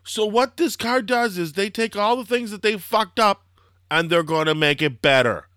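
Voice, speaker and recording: A young man with a slightly hoarse, throaty voice, hosting a casual wrestling podcast and rambling excitedly with lots of fillers. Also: sits high, normal speed, no room sound, studio quality. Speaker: podcast host.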